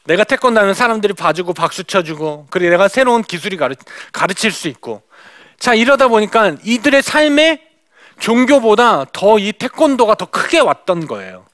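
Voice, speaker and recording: This missionary woman's testimony to a church audience is very animated, delivered at a moderate pace as she speaks to them directly and acts out recalled dialogue. Her medium-pitched voice is fairly bright, on a dry, studio-quality recording.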